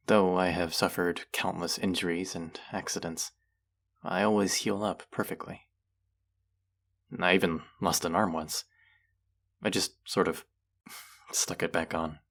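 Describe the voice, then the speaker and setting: A man acting an earnest, gently wry thousand-year-old immortal in an intimate audio roleplay, speaking in a hesitant, confiding way. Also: low voice, full character voice. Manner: hesitant, confessional, softly reassuring.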